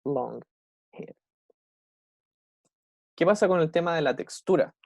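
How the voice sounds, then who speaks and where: A young adult man with a Chilean Spanish accent, teaching an English class online. He keeps checking in with his students and slows right down to model English phrases. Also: a little high, animated, gravelly, a little mellow, no room sound, studio quality. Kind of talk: online class explaining vocabulary.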